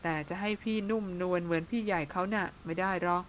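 Voicing a teasing, bearded older brother who is blunt yet tender toward his little sister, a woman reads in a lowish, steady voice at a quick pace. The performance is lightly acted and plain-spoken, with a little hiss or hum in the recording.

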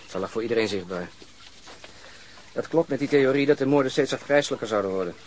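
A man's voice: medium pitch, expressive, quick pace, darkish tone, slight background noise, lightly acted. An actor in a Dutch radio drama playing a sober, grim male police detective who speaks in a terse, grave way.

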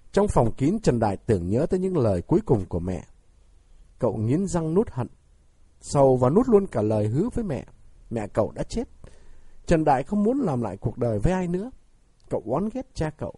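A man narrates an audiobook with a dramatic, expressive delivery. His voice is husky and very dark, and his pitch rises and falls widely. The sound is dry and close, with no room around it. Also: fairly quick, dry recording.

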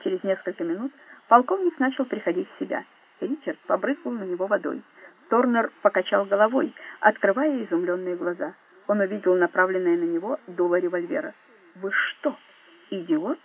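A woman reading a thriller audiobook as narrator, with steady, even storytelling. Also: mid-range voice, brisk, slightly rough. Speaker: audiobook reader. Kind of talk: scripted narration. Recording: narrow phone-like band.

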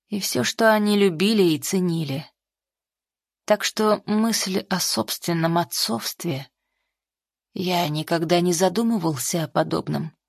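Storybook emperor, remorseful and brooding, quiet confessional delivery, read by a woman. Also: fairly low pitch, vocal fry, no room sound, clean studio sound. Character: brooding remorseful male emperor, a great khan. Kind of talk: audiobook character voice.

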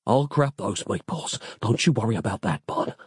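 A man plays a hard-boiled detective in a storybook, close to his own voice, gruff and quiet. His words come out choked up. The sound is dry, with nothing from a room. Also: lowish voice, expressive, moderate pace, no echo. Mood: grieving.

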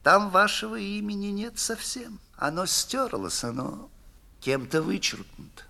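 A man's voice: sits high, expressive, a little slow, gravelly, pushed and bright, pitched above the performer's own voice, exaggerated voice. A man voicing the devil disguised as a grey notary, dry, courteous and mocking. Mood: weary. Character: sly polite male devil posing as notary.

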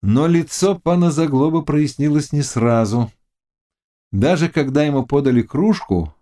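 A man with a mid-range voice reads a classic novel aloud as an audiobook, giving it an expressive, dramatic delivery.

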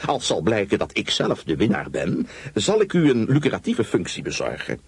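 A male reader voicing an older wealthy gentleman who is boisterous and exclaims loudly when pleased. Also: on the low side, wildly swooping pitch, moderate pace, creaky, slightly rough, no room sound, exaggerated voice. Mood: genial. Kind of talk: audiobook reading.

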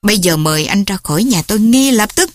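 A woman's voice: medium pitch, expressive, fast, no room sound, clean studio sound, natural voice. A woman voicing a stern, domineering old father who scolds sharply. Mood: harsh.

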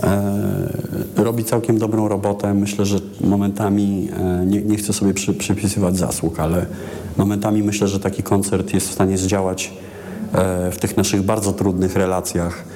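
A man's voice: deep voice, little pitch movement, noisy background. A man from Poland, a musician giving a reflective interview in a hesitant, thoughtful way, often restarting his words. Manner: hesitant, halting, thoughtful delivery with repeated word starts. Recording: long reverb, clear music behind.

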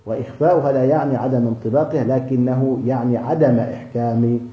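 A man's voice: medium pitch, steady tone. Guy teaching quran pronunciation, lots of stop-start restarts, roomy echo, kinda dull muffled sound. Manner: hesitant, with many restarts and drawn-out fillers. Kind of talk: explaining tajweed in a class session. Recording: echoey, dull lo-fi room recording.

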